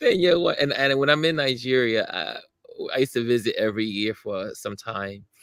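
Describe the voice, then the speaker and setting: Lively in intonation, a man with an American accent speaks at a medium pitch in an unremarkable speaking voice. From USA. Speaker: talk show co-host. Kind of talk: casual chat. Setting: live stream.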